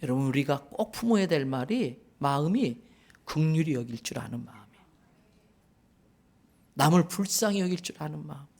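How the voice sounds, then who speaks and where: Man, pastor, church sermon, gravelly tone, high voice. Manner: animated preaching, acting out quoted voices and asking the congregation questions. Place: church sanctuary.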